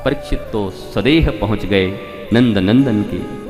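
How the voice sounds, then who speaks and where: A man's voice: lowish voice, takes it slowly. Male Hindu preacher for devotional sermon, emphatic teaching delivery; long hall reverb, instrumental music underneath. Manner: emphatic teaching with rhetorical questions and repeated phrases. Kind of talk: devotional sermon, scriptural storytelling.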